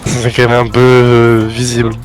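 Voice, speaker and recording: A man's voice: mid-range voice, monotone, moderate pace, soft background music. A man making wry, slangy casual banter during a game.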